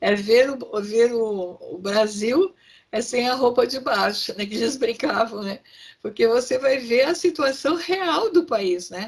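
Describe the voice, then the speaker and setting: Her intonation is lively and her pitch is high. This woman speaks at a very slow pace. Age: 70s. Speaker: TV interviewer. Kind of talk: interview. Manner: hesitant.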